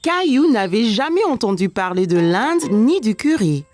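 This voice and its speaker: A woman narrating a children's cartoon like a scripted storybook, with expressive, clear storytelling. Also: fairly high pitch, moderate pace.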